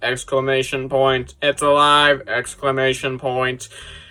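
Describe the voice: Using a put-on robotic character voice, the speaker goes at a fairly slow pace. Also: man.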